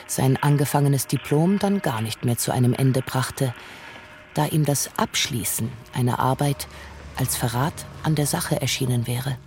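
A narrator reading a radio play story in a calm, measured way. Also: medium pitch, slight background noise.

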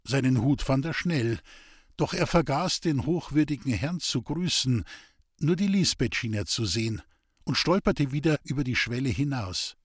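A man tells a classic tale in a steady, measured storytelling voice. His tone is slightly husky, sitting in an ordinary middle register. The recording is close and dry, with no room around him. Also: medium pitch, no echo. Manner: measured storytelling, giving the characters rural dialect. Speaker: audiobook narrator. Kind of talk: audiobook reading of a classic novel.

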